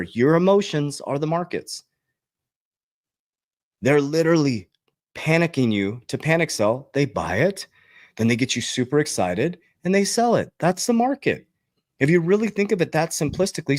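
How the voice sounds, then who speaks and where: An emphatic male finance coach talks straight at his listeners in a direct, preachy way. His everyday mid-pitched voice keeps leaping up high for emphasis. The recording is dry and close. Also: dry recording. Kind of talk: motivational talk to camera.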